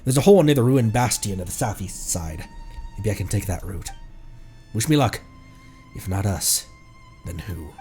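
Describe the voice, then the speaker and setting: A man's voice: fairly low pitch, animated, moderate pace, pauses often, mellow. A man commentating live on a game he plays and reading its text aloud, in a playful, exclaiming manner. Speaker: game streamer. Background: music.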